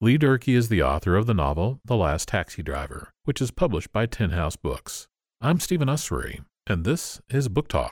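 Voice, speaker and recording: Recorded very cleanly against a silent background, with a dry, close sound and no echo, a man speaks with vocal fry and very wide pitch swings. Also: medium pitch for a man, moderate pace. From Ozarks, US. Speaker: radio host. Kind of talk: radio interview about a book. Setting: radio studio.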